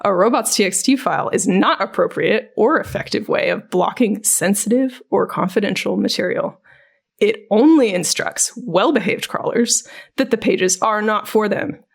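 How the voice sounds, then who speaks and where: A woman's voice: medium pitch, moderate pace, vocal fry. A woman giving a scripted, dramatic reading of technical documentation. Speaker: podcast co-host reading aloud.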